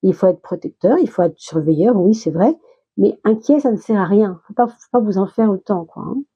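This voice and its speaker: A woman talking through a tarot reading in a chatty, reassuring way, slowing down and restarting as she recovers from a small illness. Her voice is very dark and mellow, with a breathy, husky edge. The sound is a little dull, like a lo-fi home recording. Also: medium pitch, expressive. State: recovering from a minor illness, words slow. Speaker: tarot reader. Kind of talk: casual tarot reading for viewers.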